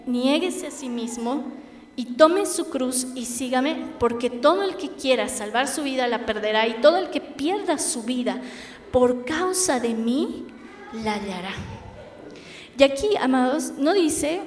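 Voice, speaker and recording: A young woman with a Bolivian Spanish accent preaching a sermon in an earnest, emphatic way with dramatic pauses. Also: high-pitched, animated. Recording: echoey hall with faint noise.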